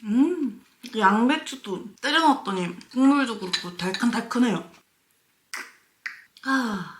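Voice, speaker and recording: A woman's voice: a little high, expressive, a little slow. A woman chatting casually to viewers as a mukbang vlogger, talking while chewing with her mouth often full, dropping in murmured, savoring asides. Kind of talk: casual eating-show chat to viewers. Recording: roomy echo, faint noise with clicks.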